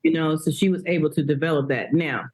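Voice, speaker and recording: A woman with a fairly low voice who tells her stories with energy. She laughs easily and stays relaxed in a casual podcast conversation. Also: fast talker, breathy edge, low-quality recording. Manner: animated storytelling, frequent laughter. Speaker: guest.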